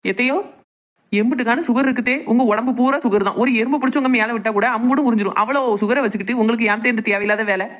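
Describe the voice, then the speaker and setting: A woman's voice: on the high side, fairly even intonation, racing, a bit bright, close to an everyday voice. A woman voicing a cheeky, chatty young daughter-in-law in a cartoon comedy, teasing with mock innocence in a southern Tamil Nadu accent. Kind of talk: cartoon comedy drama dialogue.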